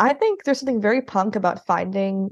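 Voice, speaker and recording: A woman speaks against a quiet background. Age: 20s. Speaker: young adult author and music journalist. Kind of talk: casual chat.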